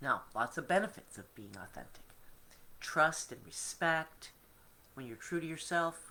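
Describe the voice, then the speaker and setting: Here a woman's voice has a very deep, low pitch, a bright, sharp tone and vocal fry, with very wide pitch swings and big swings in loudness. She goes at a fairly slow pace with long, frequent pauses. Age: 60s. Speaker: lifestyle vlogger. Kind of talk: casual monologue. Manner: animated.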